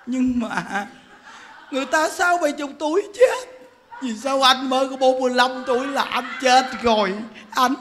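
A man's voice: very high voice, normal speed, sharp tone, a little hiss or hum. A man voicing a grieving widow who wails over her husband, laughing through it. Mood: wailing.

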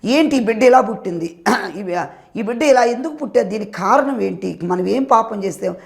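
A grieving young mother begs through tears in a preached story, voiced by a man. Her pleading voice sits lower and softer than the preacher's own, with a gravelly edge. Each line comes as another anguished question. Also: expressive, moderate pace. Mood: pleading, tearful.

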